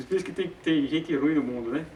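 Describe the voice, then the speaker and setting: A man's voice: a little high, moderate pace, a little mellow, a little hiss or hum. A man teaching a casual Bible study, with hesitant filler sounds and frequent chuckles. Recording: roomy sound from a distant mic.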